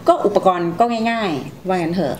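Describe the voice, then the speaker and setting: A woman hosting a conversational interview, gently prompting her young guests with questions. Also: lowish voice, animated, moderate pace. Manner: gently prompting, calls herself "big sister" to young guests. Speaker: radio programme host interviewing two young sisters. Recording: faint background noise.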